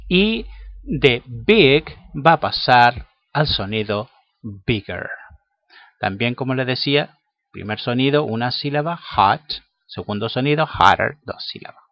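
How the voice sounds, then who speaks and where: Male teacher, patient explainer, slow delivery, dry muffled recording. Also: mid-range voice, expressive, no room sound. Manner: slow, patient, checks in with "¿cierto?" and "¿ya?". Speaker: English teacher. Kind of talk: lesson explanation.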